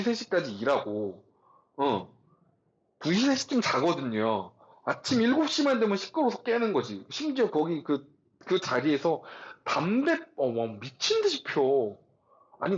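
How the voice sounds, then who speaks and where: A man giving a recorded lecture, talking in an animated, chatty way with rhetorical questions and asides. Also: fairly high pitch, dull audio.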